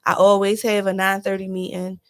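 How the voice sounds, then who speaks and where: A woman's voice: medium pitch, flat delivery, fairly quick. A woman talking as a guest on a casual podcast, telling her story in a reflective way.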